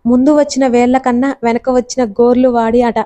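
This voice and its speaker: A teasing young man calls up a friend in a storybook, read out by a woman. His voice stays flat and mellow, and he drags his words out slowly with a mocking edge. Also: fairly high pitch, lightly acted.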